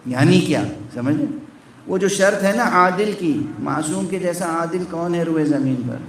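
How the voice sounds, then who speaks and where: A man's voice: fairly high pitch, slight background noise. A man giving a sermon from the pulpit, teaching step by step and putting questions to the gathering. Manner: teaching, counting along, asking the crowd questions. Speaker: Shia cleric. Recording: echoey hall from far off.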